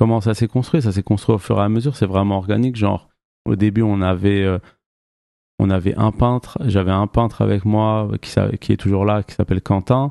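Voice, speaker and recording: Over a quiet background, a man talks at a moderate pace in a fairly low, dark, mellow voice with fairly even intonation, the sound dry and close with no echo. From Paris, France. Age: 30s. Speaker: fashion designer. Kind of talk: interview. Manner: casual, many fillers.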